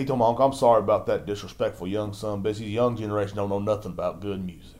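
A man speaks very fast with a fairly low pitch. His pitch varies in an ordinary way. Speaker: podcast host. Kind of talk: angry rant, profane casual monologue. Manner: profane, loud, ranting; rambling, stop-start, filler-heavy.

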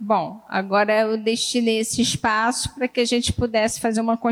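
A woman's fairly high voice, fairly slow and with fairly even intonation. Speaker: psychologist and family constellation therapist. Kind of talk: talk with live group therapy session. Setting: spiritual temple hall with live audience, also streamed.

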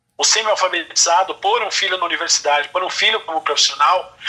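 High pitch for a man, with ordinary variation in his pitch. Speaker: university professor. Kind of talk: interview.

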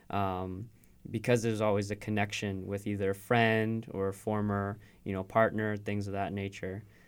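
On a very clean recording with a silent background, a man with an American accent speaks at a moderate pace in a fairly low, monotone, flat voice. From Boston (Dorchester). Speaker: former city youth program manager. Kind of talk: casual interview.

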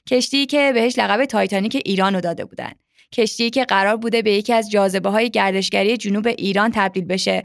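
On a very clean recording with a silent background, a woman with a fairly high pitch speaks at a very fast pace. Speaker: podcast host. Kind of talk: travel podcast interview. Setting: studio.

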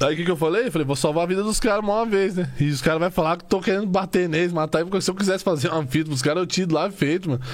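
A high-pitched man rattles along at a very fast pace with hardly any pauses. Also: ordinary pitch variation. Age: 40s. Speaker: rapper. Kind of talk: casual chat.

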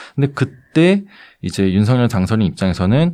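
Against a quiet background, a man speaks at a moderate pace. His tone is dark and mellow, with lively intonation. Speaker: journalist covering legal affairs. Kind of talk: casual explanatory chat.

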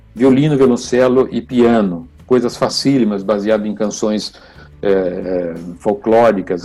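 A man's voice at medium pitch, with ordinary pitch variation and a moderate pace. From Brazil. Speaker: oboist and retired music professor. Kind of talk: interview, casual storytelling. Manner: animated.

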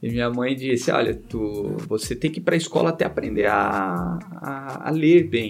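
The pace is moderate and the intonation lively. The voice is a plain, everyday voice. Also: man, medium pitch for a man. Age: 30s. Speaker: illustrator. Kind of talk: casual interview. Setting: studio.

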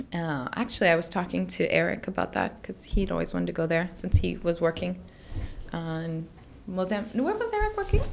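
A woman with an American accent talks fairly quickly against noticeable background noise. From Northern Virginia, US. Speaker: language teacher. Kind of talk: casual interview chat.

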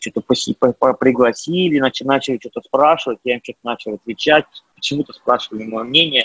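Fairly even in intonation, a man speaks at a medium pitch and a moderate pace. The sound is dry and close, with no echo. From Kazakhstan. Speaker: dairy industry media director. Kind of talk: interview. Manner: halting.

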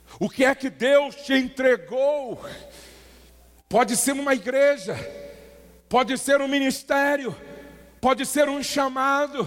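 Music plays in the background while a man with a Brazilian accent speaks at an extremely high pitch. His tone is animated and his pace fairly slow. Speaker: pastor. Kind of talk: sermon. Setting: church with congregation. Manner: animated, rhythmic repetition; loud, fervent, call-and-response.

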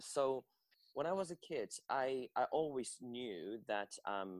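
In a Chinese accent, a man with a medium pitch speaks with lively intonation in a dry, close sound with no echo. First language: Mandarin Chinese. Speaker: drama and improv teacher. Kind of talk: casual interview. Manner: halting, many fillers.

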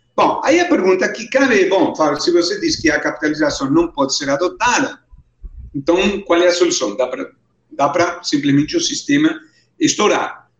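A man with a high voice and very wide pitch swings, at a moderate pace, with an Argentine accent. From Argentina, Buenos Aires. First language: Spanish (speaking Portuguese). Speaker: economist. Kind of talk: interview. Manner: halting, with frequent repetitions.

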